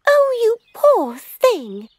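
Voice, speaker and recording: A woman's voice: extremely high pitch, wildly swooping pitch, very slow, darkish tone, no echo, full character voice. A woman voicing a sweet, sympathetic, fussing character in a comedy cartoon.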